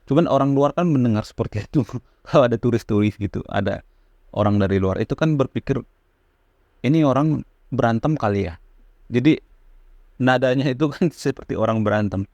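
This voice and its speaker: Gravelly-voiced man giving earnest commentary. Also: medium pitch, darkish tone, dry recording. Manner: earnest, repeats points, frequent fillers. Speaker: channel host giving commentary. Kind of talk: casual spoken commentary.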